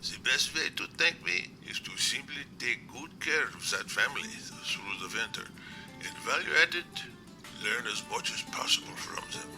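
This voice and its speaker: Kindly doctor over clear music played by a man. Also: medium pitch, expressive, moderate pace, natural voice, low-quality recording. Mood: gracious. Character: kindly, gracious male doctor giving advice. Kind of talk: amateur audio drama acting.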